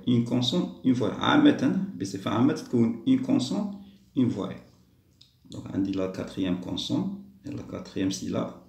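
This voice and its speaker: A man walking young pupils through a lesson, slowly repeating each step in two languages. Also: fairly low pitch, gravelly, a little mellow, roomy sound. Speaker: teacher. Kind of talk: primary school lesson walkthrough.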